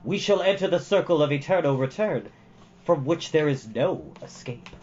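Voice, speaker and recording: A man voicing a solemn, fatalistic old male keeper of a magical chronicle in a storybook reading, with a deep, dark voice and portentous delivery. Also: lively intonation, moderate pace, highs cut off, lightly acted. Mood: resigned, grim.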